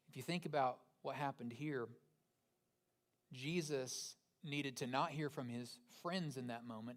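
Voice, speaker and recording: A man's medium-pitched voice at a moderate pace, fairly even in intonation, broken by long, frequent pauses. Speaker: pastor. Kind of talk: sermon / church podcast talk.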